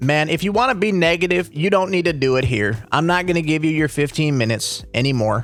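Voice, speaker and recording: Over noticeable background noise, a man talks at a fairly quick pace in a fairly high voice with lively intonation. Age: 30s. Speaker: gaming YouTuber. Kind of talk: casual vlog monologue. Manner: casual, filler-heavy.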